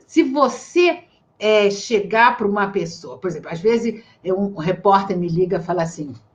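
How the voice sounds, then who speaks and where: At medium pitch, a woman speaks in a somewhat breathy voice. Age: 70s. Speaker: psychoanalyst and author. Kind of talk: interview.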